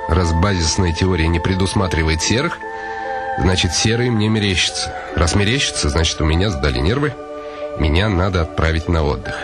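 A man's voice: deep voice, expressive, a little fast, loud music behind the voice. An actor voicing a weary, ironic nobleman's inner monologue in a radio play. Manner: brooding, dryly ironic musing.

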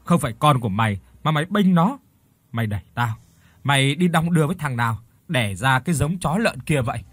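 A man's voice: mid-range voice, animated, fairly quick, fairly bright tone, breathy edge, no echo. A man voicing a drunken, abusive middle-aged husband who snarls insults, in a storybook reading. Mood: snarling.

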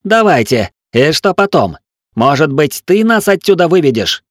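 A man's voice: mid-range voice, animated, normal speed, a little mellow, dry recording, studio quality, pitched above the performer's own voice, natural voice. A man voicing a cold, scornful male ship officer who speaks with contempt and command. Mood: contemptuous.

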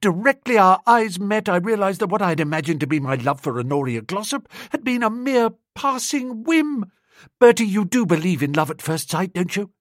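A man voicing an excitable, lovestruck young upper-class man who gushes eagerly and rushes his words. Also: high voice, no echo, clean studio sound, voice pushed up. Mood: gushing. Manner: gushing, eager, rushing ahead.

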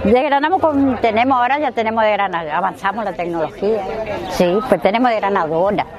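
A woman's voice: mid-range voice, quick pace, dull audio, a crowd in the background. A woman farmer outdoors, chatting and explaining her corn. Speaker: rural farmer interviewee.

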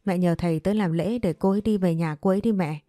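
A woman's voice: fairly low pitch, quick pace, warm tone, no room sound, studio quality, close to an everyday voice. A woman voicing an earnest young man of twenty-seven who is haunted by a ghost, in a spoken ghost story.

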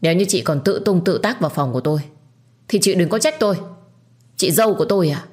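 A woman's voice: fairly low pitch, expressive, quick pace, darkish tone, lightly acted. A woman voicing a firm, blunt young man, the third son of a rich family, in an audio story. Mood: threatening.

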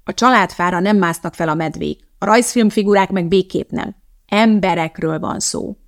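A woman's voice: fairly low pitch, close to an everyday voice. A woman voicing a strict, irritable schoolteacher who scolds her class in an audiobook. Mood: stern. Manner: scolding, bossy.

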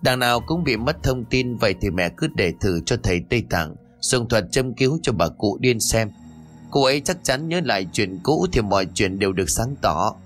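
Brief: impatient young son in an audio ghost story, curt and irritated, in a low voice, read by a male narrator, soft music behind. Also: expressive, moderate pace, natural voice. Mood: urging. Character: angry, impatient young man, a mother's son.

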